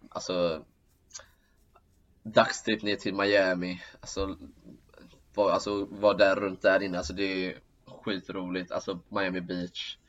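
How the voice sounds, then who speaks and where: A man's voice: low voice, fairly bright tone, highs cut off. A man chatting casually, rambling with many fillers. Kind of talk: casual chat.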